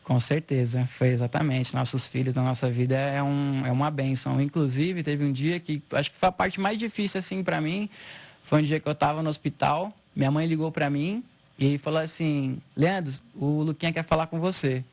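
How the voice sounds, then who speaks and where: Brief: man, 30s, slightly raised pitch, gravelly texture, lively storyteller who acts out what people said. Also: moderate pace. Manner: animated, acts out quoted dialogue. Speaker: interviewee, spinal injury patient. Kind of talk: emotional personal storytelling.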